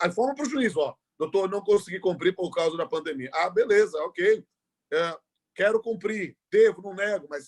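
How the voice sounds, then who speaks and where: A man speaks at a moderate pace with a high pitch and lively intonation, in an animated tone. The sound is dry and close, with no echo. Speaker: labour judge and law professor. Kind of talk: lecture.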